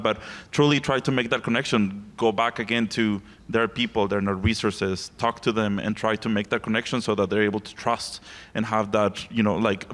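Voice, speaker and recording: A man speaking on a conference panel, earnest and a little halting. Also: fairly low pitch. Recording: long hall reverb.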